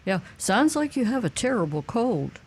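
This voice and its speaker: A woman's voice: a little high, very animated, moderate pace, darkish tone, slight background noise. A woman co-hosting a radio talk show who greets and thanks callers in a friendly, upbeat way.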